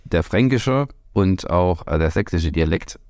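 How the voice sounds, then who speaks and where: A wry man with a Hessian accent, co-hosting a relaxed podcast chat. His voice sits fairly low, and he breaks his sentences up with fillers. The recording is dry and close. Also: a little slow, dry recording. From Franconia. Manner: wry, talks in stops and starts. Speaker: podcast co-host. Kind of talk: casual chat. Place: home party room.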